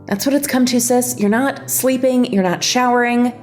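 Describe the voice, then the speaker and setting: A woman's voice: fairly high pitch, normal speed, close to an everyday voice. A woman playing a bossy but concerned sister in an audio drama, speaking in a blunt, sarcastic, insistent way. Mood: stern, insistent. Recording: music underneath the voice. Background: background music.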